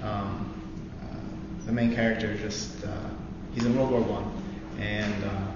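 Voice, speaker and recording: A young American man, a student veteran, reading a novel passage aloud in earnest, after a halting introduction. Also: lowish voice. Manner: halting intro with many fillers, then steady earnest reading. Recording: roomy echoey hall, dull lo-fi sound, noisy.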